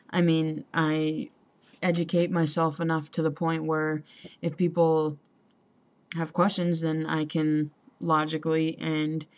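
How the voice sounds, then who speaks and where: A young trans man talking casually to a camera, hesitant, with many ums and pauses, and a voice that still sounds female. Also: on the high side. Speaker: vlogger. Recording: dull lo-fi home recording.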